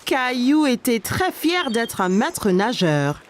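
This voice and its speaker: A woman narrating a children's cartoon like a scripted storybook, with expressive, clear storytelling. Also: on the high side, slow pace, a little hiss or hum.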